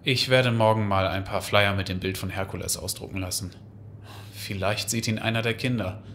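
An actor playing a tired, caring boyfriend in a German radio play. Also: male voice, lowish voice, fairly even intonation, normal speed, a bit bright, a little hiss or hum. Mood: concerned.

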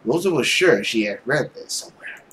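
A young man reading a visual novel aloud in a theatrical, expressive storytelling style. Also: medium pitch, normal speed. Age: young adult. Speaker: gaming video host. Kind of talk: dramatic read-aloud narration of a visual novel. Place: small room at home, indoors. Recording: loud music under the voice. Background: loud game music.

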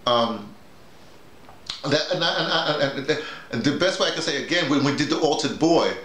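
A middle-aged or older man talking casually and emphatically to colleagues like a teacher, often halting and repeating his words over and over. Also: fairly high pitch, lively intonation, fairly bright tone. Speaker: workshop leader and radio drama teacher. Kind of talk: casual informal explanation to colleagues. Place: small indoor room with bare walls, seated. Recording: roomy, echoing small room.

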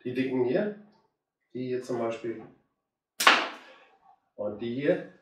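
A hoarse man in his fifties with a cold, chatting casually to viewers as he works on a plant. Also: medium pitch, slow pace, recorded from a distance, muffled recording, very noisy. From Germany. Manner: relaxed, chatty, addresses viewers directly. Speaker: bonsai hobbyist. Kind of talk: casual how-to commentary while working. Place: indoor room with curtain backdrop. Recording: very echoey room, voice off-mic.

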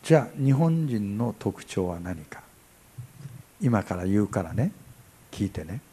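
A pastor in his sixties delivers a chatty, humorous sermon, acting out small dialogues and shifting from quiet asides to loud bursts. His lowish, slightly rough voice swings widely in pitch, and he never hurries.

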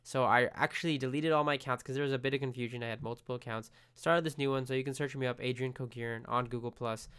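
Congested, fast-talking man. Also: mid-range voice, fairly even intonation, a bit bright, clean tone. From United States. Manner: chatty, restarts often, friendly asides. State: congested from a cold. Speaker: tech vlogger. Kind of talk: casual screencast walkthrough.

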